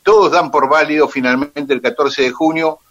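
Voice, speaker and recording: A man with an Argentine accent, appearing as a radio guest, tells history in detail and steadily, peppering his speech with "eh" and "este." His voice is fairly high at a moderate pace, and the audio sounds dull.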